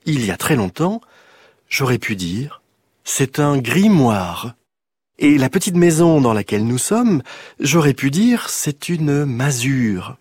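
A man voicing a kind, patient old grandmother who explains things gently in a storybook reading. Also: medium pitch, big pitch swings, slow, slightly rough, dry recording, voice pushed up, heavily acted. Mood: explaining.

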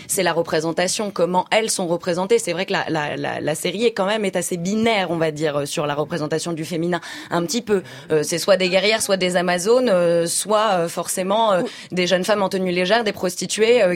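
Brief: female panel guest, earnest, halting, making her point through many fillers. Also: on the low side. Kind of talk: radio panel discussion.

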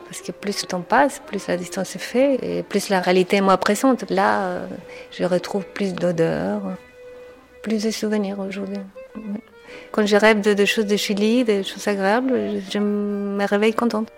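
A woman from Chile with a strong Chilean Spanish accent, a native Spanish speaker, answering interview questions in French as a psychoanalyst, speaking in a reflective, measured way with frequent hesitations. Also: medium pitch, fairly even intonation, creaky, faint music behind. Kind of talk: documentary interview.

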